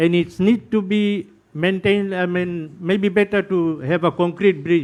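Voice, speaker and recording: A man's high voice at a fairly slow pace, with ordinary pitch variation. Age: 60s. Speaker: district advisory councillor. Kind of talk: public question at town hall. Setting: town hall forum. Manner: halting.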